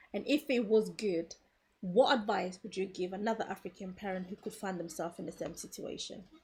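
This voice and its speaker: Somewhat breathy and medium-pitched, a woman talks at a fairly quick pace with ordinary pitch variation. Her loudness swings widely. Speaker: talk show host. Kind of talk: casual chat. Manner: fast.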